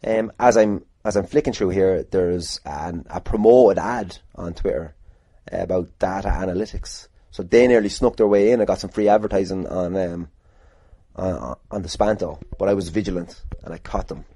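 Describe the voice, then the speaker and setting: A man's voice: sits low, normal speed, dark tone, no room sound. A man hosting a casual solo podcast, rambling and sweary as he answers listener questions in a jokey way. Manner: rambling, sweary, jokingly boastful. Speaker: podcast host and wrestler.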